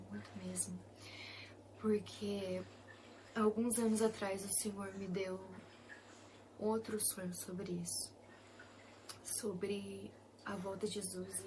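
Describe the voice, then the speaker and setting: A young woman with a Brazilian Portuguese accent shares a personal Christian testimony in a mid-range voice, soft and intimate, often dropping to a hushed whisper. There is noise in the background.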